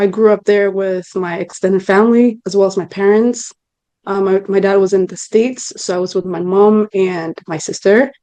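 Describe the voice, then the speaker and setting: A woman's voice: on the low side, warm tone. A woman in her twenties from Ethiopia, answering interview questions earnestly, with frequent ums and restarts. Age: 20s. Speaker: interview guest. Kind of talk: casual interview talk.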